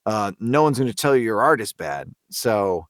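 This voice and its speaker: A man's voice: lowish voice, animated, moderate pace, no echo, studio quality. A man talking casually and thoughtfully as a podcast panelist, feeling his way through his phrases. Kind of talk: casual group discussion of a story.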